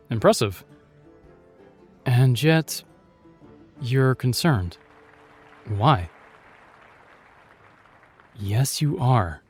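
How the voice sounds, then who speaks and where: An actor playing a gallant, protective knight in a fantasy audio drama, earnest, courtly and commanding. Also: male voice, mid-range voice, darkish tone, breathy edge, heavily acted.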